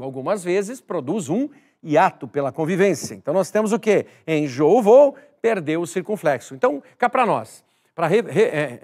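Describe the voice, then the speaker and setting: A man's voice: high-pitched, breathy edge. A man teaching a recorded exam-prep grammar lesson, emphatic, repeating key words and speaking straight to the viewer.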